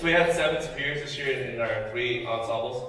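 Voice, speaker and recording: A man talks at a moderate pace with audible room echo and light background noise around him. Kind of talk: speech to a concert audience. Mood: proud, light-hearted. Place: hall. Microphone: camera far.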